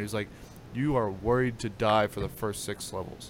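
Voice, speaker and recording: A man speaks at a fairly quick pace with a medium pitch. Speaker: military veteran and tabletop gamer. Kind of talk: casual chat. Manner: loud.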